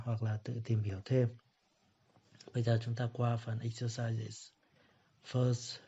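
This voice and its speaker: Guy teaching pronunciation, repeats every word, kinda flat and husky, muffled lo-fi sound. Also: mid-range voice. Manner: repeats words slowly, then explains. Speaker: English teacher. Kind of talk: pronunciation lesson. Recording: dull lo-fi recording.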